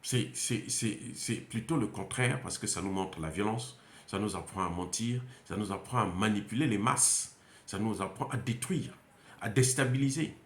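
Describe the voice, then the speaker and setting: A man's voice: on the low side, moderate pace. A man with a Central African French accent giving an emphatic, unscripted monologue, repeating phrases and hesitating often. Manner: emphatic, repetitive, many hesitations. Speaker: commentator. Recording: roomy echo.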